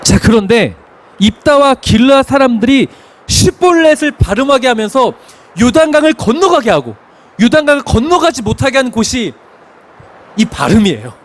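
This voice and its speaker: Man, pastor, sermon, high voice, very animated pitch, storytelling. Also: moderate pace. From Chungcheong, Korea. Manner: expressive preaching, sings hymn lines, laughs while telling stories.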